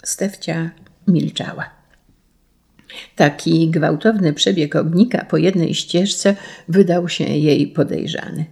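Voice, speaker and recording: A woman narrating a children's story in a measured, expressive reading. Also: low-pitched, gravelly, slightly rough. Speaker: audiobook narrator.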